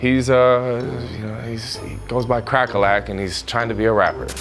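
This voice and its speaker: Background music is playing. Over it, a man is talking. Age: 30s. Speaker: YouTuber and video entrepreneur, former rapper. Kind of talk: casual vlog monologue. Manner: conversational.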